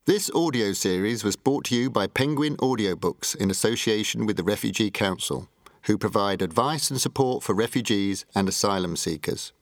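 A man's voice: lowish voice, moderate pace, dry recording, studio quality. A man reading scripted narration as an announcer for an audio series.

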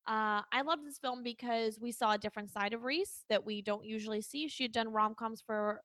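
A woman's voice: on the high side, brisk, fairly bright tone, no room sound. A woman co-hosting a podcast, chatting casually about movies with playful teasing and the odd swear word. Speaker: podcast co-host.

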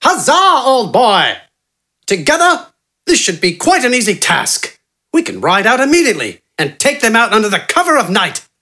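A narrator voicing an eccentric, pompous male doctor who is manic and jovial and speaks in a grand, excitable way. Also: medium pitch, unhurried, pitched above the performer's own voice, exaggerated voice. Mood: jubilant. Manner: pompous, excitable, keeps saying "old boy".

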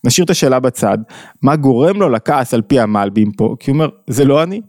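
A man giving a Torah lesson, acting out the quoted dialogue between figures with lively rises in pitch. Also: dry recording, studio quality. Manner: animated, acts out quoted dialogue with rising pitch. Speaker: teacher.

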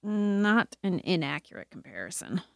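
A woman acts as a dry, sardonic young woman in an audio drama. Her voice is on the low side and closely recorded, with a deadpan, deflecting delivery. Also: normal speed, gravelly, dry recording.

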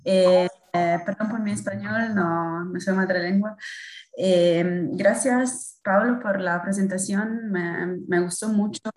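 Halting Italian-accented woman, roomy sound. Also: mid-range voice, steady tone, a little mellow. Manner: halting, searching for words, repeating words. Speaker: course participant. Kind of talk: spontaneous discussion contribution.

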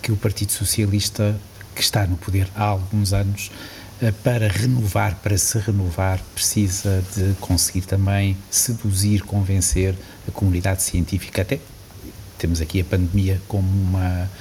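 Deep, dark-voiced Portuguese interviewer. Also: male voice, flat delivery, moderate pace, a little hiss or hum. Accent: European Portuguese. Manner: hesitant, searching questions with fillers. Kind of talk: interview questions.

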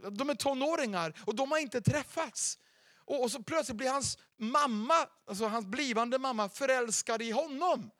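Lively high-voiced man preaching. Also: no echo, studio quality. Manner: lively, dramatic delivery with sudden loud and soft swings. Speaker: pastor. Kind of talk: sermon. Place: church.

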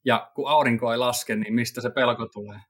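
A man talking casually on a podcast, relaxed and a bit rambling. He fills his sentences with little hesitations and drifts from point to point in an easy, conversational way. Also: medium pitch. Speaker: podcast co-host living in Japan. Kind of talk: casual chat.

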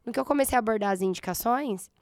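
A slightly hoarse woman in her thirties with a Brazilian accent, telling her story in a casual interview and acting out her past thoughts. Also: on the high side, fast talker, no echo, clean studio sound. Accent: Brazilian Portuguese. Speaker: guest, entrepreneur.

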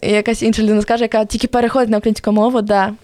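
Teen girl guest, relaxed warm tone, rambling lively storyteller, dry booth sound. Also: fairly high pitch, rapid-fire, dry recording. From Ukraine. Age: teens. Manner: chatty, lively storytelling with many fillers. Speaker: podcast guest. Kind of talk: casual podcast interview.

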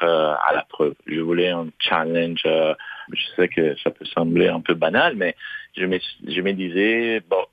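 A man born in Italy, middle-aged, talks French as a second language in a very low voice, pausing with many fillers and restarting his sentences. The sound is dry and narrow, like a phone line. He answers as a studio guest. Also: no room sound. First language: Italian. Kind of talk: conversational interview answers.

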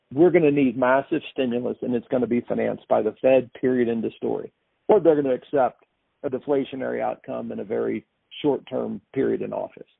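A man talks through markets off the cuff with emphatic, opinionated phrasing. His voice is fairly low and gravelly, and it comes over a narrow phone-like line. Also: no echo. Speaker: market commentator. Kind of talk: unscripted financial commentary.

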